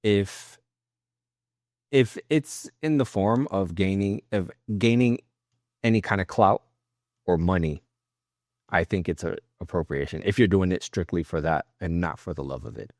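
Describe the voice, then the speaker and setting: A man talking informally on a podcast panel, halting now and then as he gathers his thoughts. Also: sits low, darkish tone, no echo, clean studio sound. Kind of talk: casual panel discussion with personal anecdotes.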